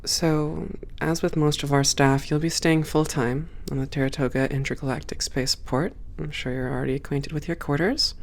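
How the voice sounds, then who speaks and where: A performer playing a friendly, composed female hangar supervisor in an ASMR roleplay, speaking in a measured, welcoming and professional way. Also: mid-range voice, fairly even intonation, natural voice. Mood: reassuring, instructive. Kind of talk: ASMR roleplay, one-sided conversation.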